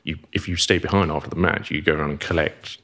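A middle-aged man from Zimbabwe with a Zimbabwean accent softened by years in England, speaking as a podcast guest in a wry, self-deprecating way with clipped vowels. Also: a bass voice, steady tone, quick pace. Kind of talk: casual podcast conversation.

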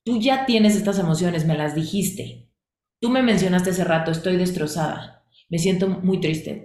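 A woman's voice: mid-range voice, darkish tone, reverberant. A woman teaching a coaching class, asking questions and listing points in repeated phrases. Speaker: coaching instructor.

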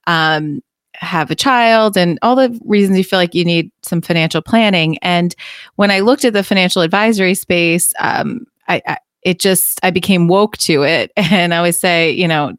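A woman in her forties, a company founder telling her story as a podcast guest, lively and quick to laugh. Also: lowish voice, smooth, no echo, clean studio sound. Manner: lively, laughs easily, conversational. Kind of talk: interview storytelling.

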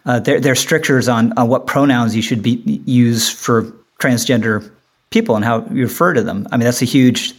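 A man hosting a political podcast, talking in a halting way with many restarts. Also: mid-range voice. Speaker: podcast host. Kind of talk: political discussion.

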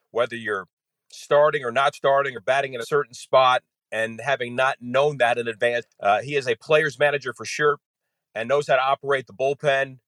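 A man who calls baseball games on radio, talking as a guest in an interview and laying out detailed, measured analysis of players and strategy. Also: mid-range voice, dry recording. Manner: detailed, measured, steady flow of facts.

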